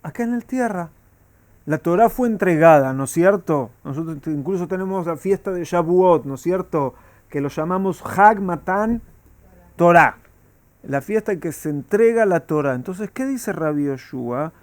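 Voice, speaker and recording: High-voiced rabbi teaching a Talmud class. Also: male voice, lively intonation, moderate pace, no echo. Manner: asks the class rhetorical questions.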